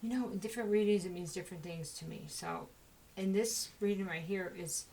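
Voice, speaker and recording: A woman giving a casual tarot reading, talking fast and rambling with plenty of fillers. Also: mid-range voice, darkish tone, rough recording. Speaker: tarot reader.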